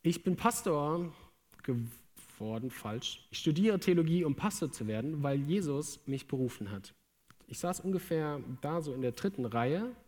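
A young man with a slightly raised voice preaches a sermon in a relaxed, humorous way, full of everyday slang. His voice carries a long reverb from the large hall around him. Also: fairly high pitch, moderate pace. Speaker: preacher, theology student. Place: large room with an audience.

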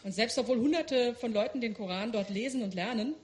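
A woman's voice: on the high side, a little fast, a little hiss or hum. A woman working as an interpreter, rendering a guest's testimony in church line by line. She speaks fluently, with the odd hesitant filler.

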